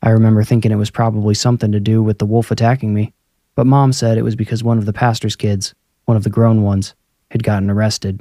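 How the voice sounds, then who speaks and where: A man speaks at a very fast pace in a dark, mellow tone, fairly low in pitch, with flat, monotone intonation and very even loudness. The recording is very clean, with a silent background. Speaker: horror fiction writer and narrator. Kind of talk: horror story narration, first-person bedtime ghost-story telling.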